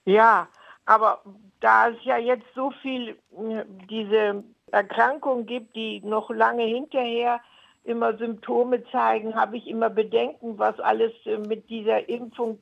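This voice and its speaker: Old lady in her 80s phoning in, creaky voice, hesitant questions, dull phone sound. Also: a little high, flat delivery, measured pace. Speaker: phone-in caller. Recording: dull lo-fi telephone line.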